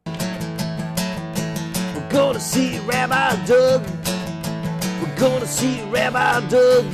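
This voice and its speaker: Cheerful high sung promo jingle voice. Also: fairly even intonation, slow pace, loud music behind the voice. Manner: sing-song, cheerful promo.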